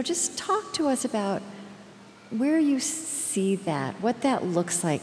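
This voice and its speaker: A woman from Oklahoma interviewing in a thoughtful, halting way, searching for her words. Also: medium pitch, a little mellow. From Oklahoma, United States. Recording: echoey hall, hiss and noise.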